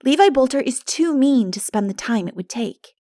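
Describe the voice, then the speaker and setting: A woman voicing a practical, excitable young girl in an animated, emphatic audiobook reading. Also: sits high, moderate pace, no echo, studio quality, voice pushed up. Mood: chatty, eager. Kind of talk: dramatic audiobook character reading.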